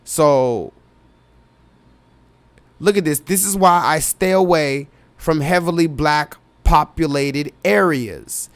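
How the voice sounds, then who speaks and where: He talks at a slow pace, his voice on the high side, with no room sound. Reading viewer comments aloud on his live reaction stream, he presses his chat with urgent, repeated remarks and speaks to them directly and insistently.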